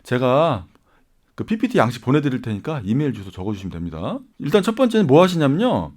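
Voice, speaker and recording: A man's voice: mid-range voice, sing-song, fast, darkish tone. A man, an acting coach, giving casual advice to viewers and often checking in with rhetorical questions. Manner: chatty, asks listeners rhetorical questions. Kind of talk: casual YouTube advice talk.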